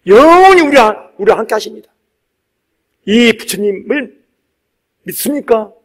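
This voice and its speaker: A male Buddhist monk delivers a dharma talk in a high-pitched voice. His intonation rises and falls dramatically as he urges his listeners on. He repeats key phrases and leaves pauses for emphasis. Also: very animated. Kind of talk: sermon to a live congregation.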